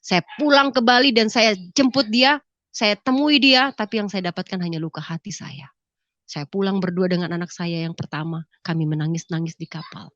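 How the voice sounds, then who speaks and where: A woman's voice: medium pitch, normal speed, fairly bright tone, no room sound. Tearful woman giving a church testimony. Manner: addresses listeners as "saudara", voice breaking with grief. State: tearful, sniffling. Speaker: testimony speaker. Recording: dull lo-fi dry recording.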